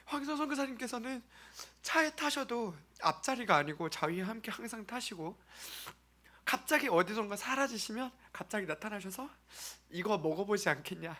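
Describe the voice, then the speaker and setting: A man from South Korea presenting an earnest mission-trip testimony to a congregation as a church member, speaking haltingly with pauses. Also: high voice, lively intonation, sharp tone.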